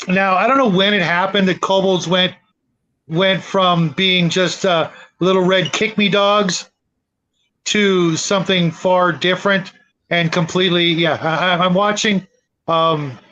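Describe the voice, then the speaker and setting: A middle-aged man chatting casually as a gaming show co-host, with a halting, meandering way of talking. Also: sits high, fairly even intonation, sharp tone. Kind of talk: casual chat. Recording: dull lo-fi voice chat audio.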